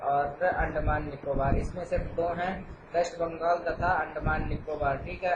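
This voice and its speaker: A man teaches an exam-prep lecture in a rather flat, steady voice, pausing often to check in with his students. His voice bounces around a bare room. Steady hiss and a dull, muffled tone sit under it. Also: fairly high pitch. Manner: explains patiently, with frequent "theek hai" check-ins. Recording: echoey, dull, noisy room.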